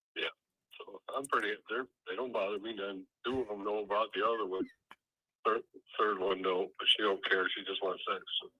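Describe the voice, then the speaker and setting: A man speaks at a moderate pace with long, frequent pauses. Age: 60s. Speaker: home seller. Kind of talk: phone conversation.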